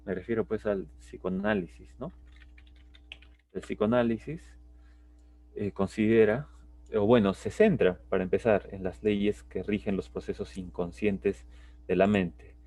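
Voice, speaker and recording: A man's voice: fairly low pitch, a little slow, mellow, far from the mic. A man teaching psychology in a live online class, explaining step by step and checking in with tag questions.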